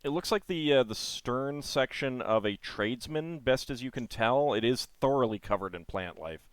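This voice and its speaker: A man running a tabletop game as game master, narrating haltingly with many pauses and restarts. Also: mid-range voice, lively intonation, smooth, no room sound. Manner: halting, full of uhs and restarts.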